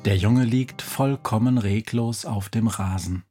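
A man narrating a children's audiobook in a calm, measured way, with a husky voice. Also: on the low side, over music.

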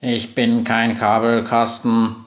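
A man voicing a cheeky, mischievous talking machine that speaks slowly and smugly. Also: medium pitch, completely flat delivery, lightly acted. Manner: slow, smug, teasing.

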